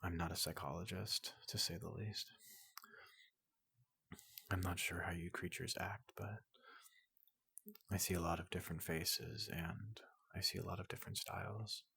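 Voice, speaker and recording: A man voicing a tall, gentle robot doctor in soft ASMR roleplay, hesitant and politely clinical, often slipping into a whisper, close to the microphone. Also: low-pitched, fairly even intonation, moderate pace, pauses often, dry recording, full character voice. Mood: gently curious. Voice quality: breathy, gravelly, often dropping into whisper.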